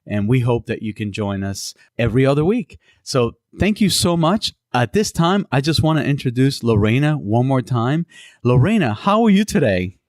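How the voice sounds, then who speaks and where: A man's voice: medium pitch, very animated, darkish tone, no room sound. Man from Cuba hosting a podcast, dry sound. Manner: halting, many fillers and restarts. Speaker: podcast host. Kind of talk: casual interview podcast.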